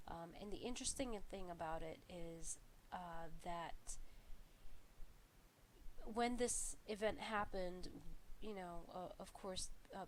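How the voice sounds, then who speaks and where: A young woman with a stuffy, congested voice records a class presentation. She speaks slowly in a low, flat tone and keeps stopping to restart with ums and uhs. A faint hiss sits behind her. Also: poor audio. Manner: halting, many fillers and restarts. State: congested from a flu. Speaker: student presenter.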